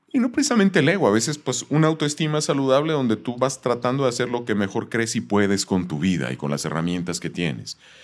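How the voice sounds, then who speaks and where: Talking at a very fast pace with hardly any pauses, a man uses a medium pitch, very wide pitch swings and vocal fry. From Chihuahua, Mexico. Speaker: voice actor and announcer. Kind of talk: interview.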